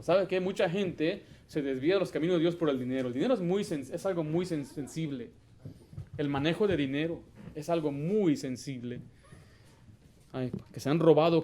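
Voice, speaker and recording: A middle-aged man preaching as pastor of a church, putting questions to the congregation and building to loud emphasis. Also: a little high. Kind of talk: sermon.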